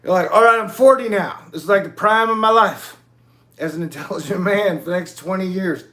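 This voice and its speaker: High-pitched and brisk, with a sharp edge to his tone, this man hosts his own channel. He's in his forties and drifts through a loose monologue, dropping the occasional swear word.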